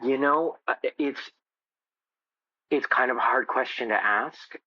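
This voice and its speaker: A man talking as a podcast guest in a casual, explanatory way, halting as he thinks aloud. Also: mid-range voice, bright, forceful tone, husky, no echo, dull audio. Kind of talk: casual interview chat.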